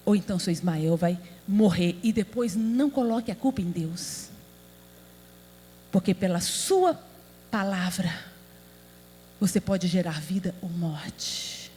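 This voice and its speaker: A woman's voice: lowish voice, slow pace, long pauses, dark tone. A woman pastor from Brazil preaching a sermon, emphatic and asking the audience rhetorical questions. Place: large convention hall. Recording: hall reverb with mains hum.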